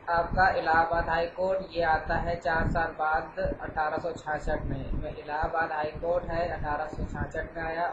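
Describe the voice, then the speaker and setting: A man teaches an exam-prep lecture in a rather flat, steady voice, pausing often to check in with his students. His voice bounces around a bare room. Steady hiss and a dull, muffled tone sit under it. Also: fairly high pitch. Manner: explains patiently, with frequent "theek hai" check-ins. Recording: echoey, dull, noisy room.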